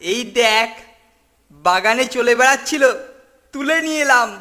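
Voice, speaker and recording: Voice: mid-range voice, animated, measured pace, pushed and bright. An actor voicing a boastful, scheming older schoolboy bully with mocking, cackling delivery in a children's cartoon. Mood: sly, smug. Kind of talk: exaggerated Bengali children's cartoon acting.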